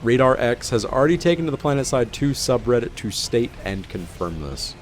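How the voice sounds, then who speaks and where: A man's voice: mid-range voice, sing-song, brisk, soft background music. A man hosting a gaming video, reading scripted update narration in an informal presenter style. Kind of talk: scripted patch-notes narration.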